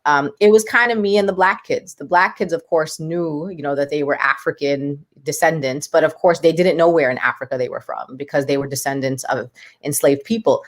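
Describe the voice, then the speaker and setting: A woman's voice: deep voice, fairly quick. A woman, speaking as a guest in an interview, talking with passion and emphasis. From United States. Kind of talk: podcast interview.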